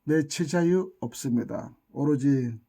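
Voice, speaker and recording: A man's voice: mid-range voice, takes it slowly, creaky, mellow, slightly rough. A man giving an impassioned monologue, scolding and lamenting with rhetorical questions and insults. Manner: scolding, indignant, hurls insults. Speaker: YouTube channel commentator.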